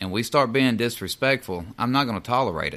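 A man speaks at medium pitch and a moderate pace. His pitch varies an ordinary amount. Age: 40s. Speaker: letter carrier and union shop steward. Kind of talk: instructional talk.

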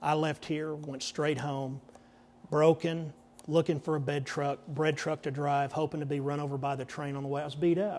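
A man with a Texan accent and a fairly high pitch speaks in a flat monotone. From Texas. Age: 50s. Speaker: pastor. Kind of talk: sermon. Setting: church.

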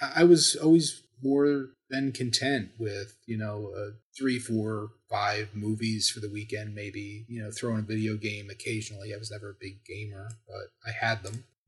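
A man speaks with a fairly low pitch, fairly even intonation and a moderate pace. His loudness swings widely, and his voice is somewhat breathy. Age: 30s. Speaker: podcast guest, friend of host. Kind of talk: casual chat. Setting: remote recording, video call.

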